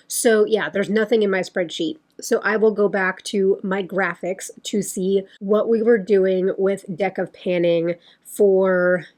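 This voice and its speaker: Young female beauty vlogger, casual and chatty, slightly hoarse. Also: medium pitch, darkish tone. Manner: chatty, rambling, with many fillers. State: slightly losing her voice. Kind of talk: casual chat.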